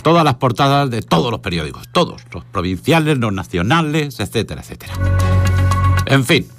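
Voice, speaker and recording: A radio host with an accent from Spain, commenting on the news informally in a halting, wry way with pauses for emphasis. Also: male voice, medium pitch, big pitch swings, over loud music. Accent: Spanish from Spain.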